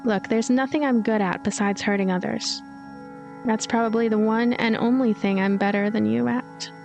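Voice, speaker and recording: A woman's voice: a little high, fairly even intonation, normal speed, creaky, darkish tone, highs cut off, faint music behind. A woman voicing a lonely, gloomy young girl in a visual novel, blunt and resigned. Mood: bitter, resigned.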